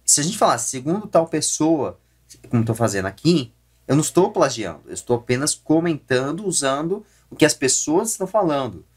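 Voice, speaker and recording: A man with a Brazilian accent gives opinion commentary as a YouTube host, explaining in a halting way and often correcting himself. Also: fairly high pitch, sing-song, breathy edge.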